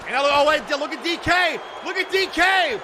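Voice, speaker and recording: A man giving live wrestling play-by-play, shouting excitedly and exclaiming at the action and the referee. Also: very high-pitched, normal speed. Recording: noisy event audio with loud crowd. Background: crowd noise and slamming thuds.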